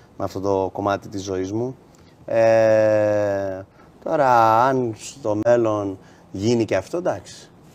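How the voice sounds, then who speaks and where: A man with an English accent at a very slow pace. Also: fairly low pitch for a man, ordinary pitch variation. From US, New York (Queens); New York. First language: English (speaking Greek). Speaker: rapper; guest. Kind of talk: interview. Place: studio.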